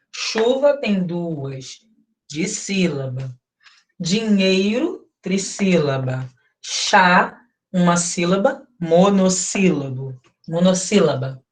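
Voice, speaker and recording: A woman with a Brazilian Portuguese accent teaching primary schoolchildren in an online class, patiently breaking words into syllables, heard through a computer mic on a video call. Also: lowish voice.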